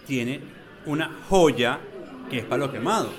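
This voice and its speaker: A man's voice: mid-range voice, loud music behind the voice. Eager man telling a story. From Venezuela. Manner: enthusiastic, animated, drawn-out emphasis. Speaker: interview guest, florist. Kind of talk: conversational storytelling.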